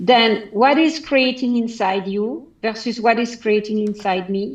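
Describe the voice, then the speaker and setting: A fairly slow pace marks this woman's speech, which has a fairly high pitch and ordinary pitch variation. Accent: slight Belgian French. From Belgium. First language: French. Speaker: executive coach and facilitator. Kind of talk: podcast interview.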